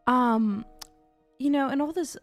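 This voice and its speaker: A woman's voice: high voice, measured pace, faint music behind, voice pushed up. Casting: woman doing sly flirt, sugary and coaxing, calls everyone darling. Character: scheming flirtatious woman, sweet-talking.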